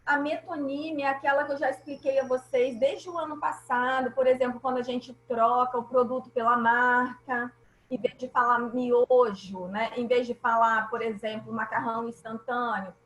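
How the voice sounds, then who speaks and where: A woman's voice: fairly high pitch, level tone, moderate pace, fairly bright tone, reverberant, poor audio. A woman teacher with a Brazilian Portuguese accent, patiently explaining grammar in an online class and often checking that students follow.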